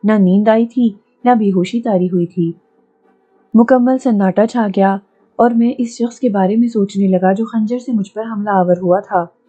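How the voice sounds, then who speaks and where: A woman reading a horror novel aloud in a measured, reflective way. Her voice is mellow and soft, with a middling pitch. The recording sounds dull and lo-fi. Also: steady tone, slightly rough. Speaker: audiobook narrator. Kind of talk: scripted narration of a horror novel.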